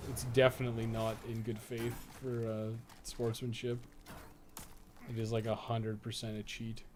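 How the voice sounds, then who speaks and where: A man's voice: mid-range voice, completely flat delivery, normal speed, darkish tone. Man rambling over gameplay, noisy background. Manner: rambling, thinking aloud, frequent swearing. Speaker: video game streamer and guide writer. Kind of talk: casual live gameplay commentary.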